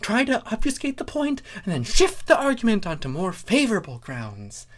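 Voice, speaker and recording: A snide female pony done by a woman reader, high and lively. She scolds with blunt sarcasm in a comic storybook world. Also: moderate pace. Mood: sardonic.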